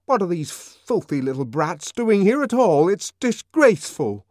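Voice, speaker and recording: A man's voice: high-pitched, sing-song, measured pace, a little mellow, dry recording, clean studio sound, pitched above the performer's own voice, heavily acted. A man voicing an angry young man whose voice trembles with indignation. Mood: indignant.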